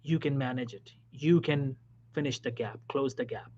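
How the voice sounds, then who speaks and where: A man, a physician, giving career advice in a motivational talk, emphatic and repetitive, dropping now and then to a soft whisper. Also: mid-range voice, normal speed. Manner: emphatic, repeats key phrases, drops suddenly to soft whispers. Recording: dull lo-fi recording.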